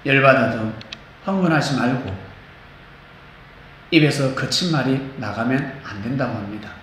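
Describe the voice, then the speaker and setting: A man preaching a sermon as pastor, animated, acting out quotes and singing bits of hymns. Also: mid-range voice, normal speed. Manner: animated, acts out quotes, sings snatches of hymns. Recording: echoey church hall, faint noise.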